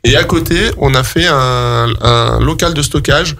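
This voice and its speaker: A man with a French accent explaining things in a radio interview, in a hesitant, halting way. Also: medium pitch, vocal fry, fairly bright tone. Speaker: guest, public sports facilities staff.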